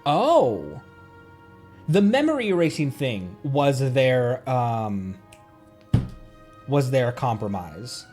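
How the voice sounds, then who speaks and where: A man hosting a casual game stream, musing out loud. His mid-range voice moves around in pitch as he restarts and repeats phrases. Faint music plays behind him. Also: big pitch swings, slow. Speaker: livestream host, VTuber.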